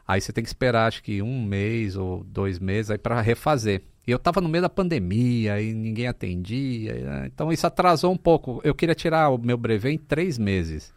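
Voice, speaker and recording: A man in his fifties from Brazil chats as a podcast guest. He tells stories in a relaxed way with plenty of fillers. His voice sits in a middle pitch, and it is recorded dry and close to the mic. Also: normal speed, gravelly, few pauses, dry recording. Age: 50s. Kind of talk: casual chat.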